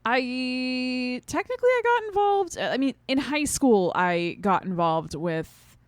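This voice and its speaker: A woman's voice: sits high, animated, slow pace, dry recording. Woman chatting on a podcast, bouncy up and down delivery, bit teasing, really dry sound. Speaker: podcast co-host. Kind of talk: casual conversational chat.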